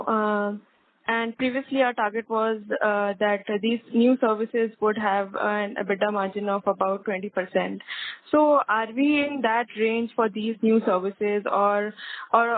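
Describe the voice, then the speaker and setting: Lady analyst, highish voice, polite questions on a call, tinny phone line. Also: no room sound. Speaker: financial analyst asking questions.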